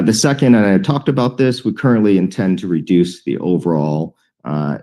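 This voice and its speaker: A man presenting financial guidance as a company executive, in a measured, deliberate way with frequent hesitant pauses. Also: extremely low pitch, warm tone. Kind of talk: earnings call presentation.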